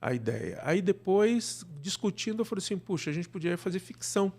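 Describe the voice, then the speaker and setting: A man's voice: sits high, big pitch swings, fairly quick, darkish tone, husky. A middle-aged Brazilian man speaking as an interview guest, casually telling his story in a discursive way with frequent tag questions. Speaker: interview guest, actor and podcast producer.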